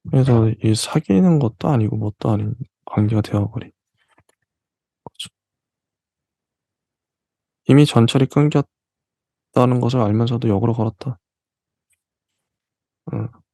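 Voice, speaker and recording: Mellow-voiced man reading fiction aloud. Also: medium pitch, no echo. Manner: reads passages slowly, then comments with soft fillers. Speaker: literature channel host. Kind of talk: reading aloud and explaining a novel.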